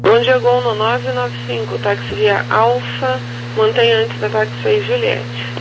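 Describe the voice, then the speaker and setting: A woman's voice: on the high side, little pitch movement, unhurried. A Brazilian woman working as an air traffic controller, giving clipped instructions over a radio transmission. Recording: muffled, noisy aviation radio with hum.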